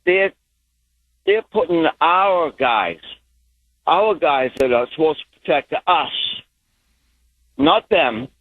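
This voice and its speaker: A man's voice: fairly high pitch, dry recording. A man calling in to a talk radio show over the phone, speaking with passion and often restarting his sentences. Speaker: caller. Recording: tinny phone line.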